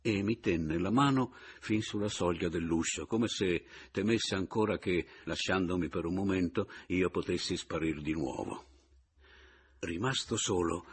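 A man reading a novel aloud in an expressive, dramatic first-person narration. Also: deep voice, slightly rough. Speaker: audiobook reader. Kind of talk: literary audiobook narration.

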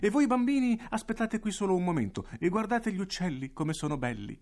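A man voicing a sly, gleeful male museum director who flatters and then gloats. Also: a little fast. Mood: fawning. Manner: fawning, then cackling and shrill.

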